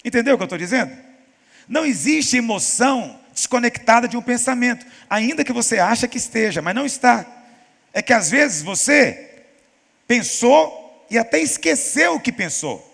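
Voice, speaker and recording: A man preaching as a pastor in a church teaching session, telling stories and acting out quoted voices with lively emphasis. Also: extremely high pitch, moderate pace, gravelly, big-room sound. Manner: animated storytelling, acts out quoted voices.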